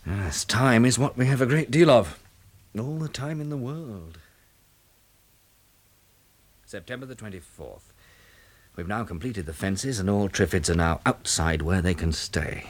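Radio play lead: English male survivor, practical, earnest, weary, with lively intonation. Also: lowish voice, unhurried, long pauses. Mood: sober diary narration. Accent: British English. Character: weary, practical English survivor turned farmer, adult man. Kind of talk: 1960s British radio drama acting.

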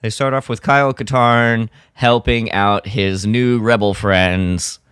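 A man with a fairly deep, clean and resonant voice co-hosts a fan podcast. He chats informally, and the sound is dry with no room echo. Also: steady tone, takes it slowly, fairly bright tone, clean tone. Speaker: podcast co-host. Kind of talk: casual fan chat.

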